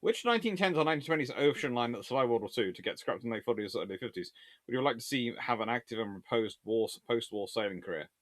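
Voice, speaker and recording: A man's voice: mid-range voice, lively intonation, quick pace, no room sound. A man hosting a live history chat, answering viewers in a rambling, discursive way like a lecturer thinking aloud.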